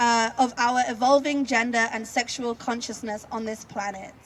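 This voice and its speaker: Pitched high, a woman with a British accent speaks at a moderate pace with fairly even intonation. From UK. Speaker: activist speaker, artist and fashion designer. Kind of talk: protest speech. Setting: outdoor protest rally. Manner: halting.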